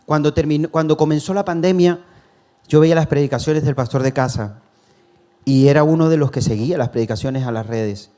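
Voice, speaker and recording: A man's voice: fairly high pitch, brisk, dark tone. Earnest man preaching a testimony. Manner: earnest, personal storytelling; speaks to the congregation as brothers. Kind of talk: sermon testimony.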